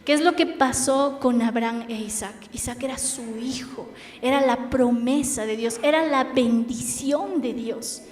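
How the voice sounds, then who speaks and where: High-voiced Bolivian woman preaching. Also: a little mellow. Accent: Bolivian Spanish. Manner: earnest, emphatic preaching with dramatic pauses. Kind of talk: sermon. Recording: echoey hall with faint noise.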